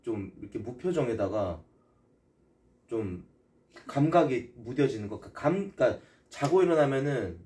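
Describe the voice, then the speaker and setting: A man's voice: medium pitch, big pitch swings, moderate pace, long pauses, warm tone, slight background noise. Pleading man streamer, slightly distant. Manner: pleading, repeats questions over and over. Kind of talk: casual chat on a live stream.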